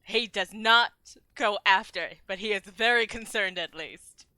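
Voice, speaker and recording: A woman's voice: mid-range voice, measured pace, bright, forceful tone, dry recording. A woman playing a tabletop game, playful and chatty. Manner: playful, laughing often. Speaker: player. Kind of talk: casual game chat.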